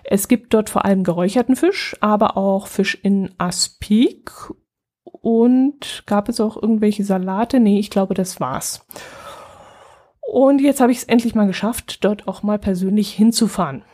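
A woman's voice: medium pitch, a little slow. A woman hosting her own podcast, talking casually and at ease, with fillers and small laughs. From Allgäu, Germany. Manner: chatty and relaxed, with frequent fillers and small laughs. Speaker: podcast host. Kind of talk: casual solo podcast chat.

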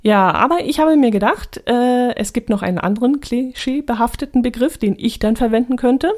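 A woman's voice: on the high side, a little fast, darkish tone. Chatty woman hosting a podcast. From Allgäu, Germany. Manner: chatty, with frequent ähm fillers and little laughs. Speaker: podcast host. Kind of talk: casual solo podcast chat.

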